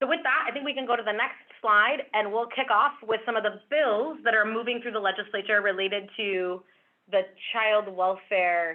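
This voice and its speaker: With ordinary pitch variation, the woman's voice sits fairly high. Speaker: government agency staff presenter. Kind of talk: webinar presentation. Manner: fast.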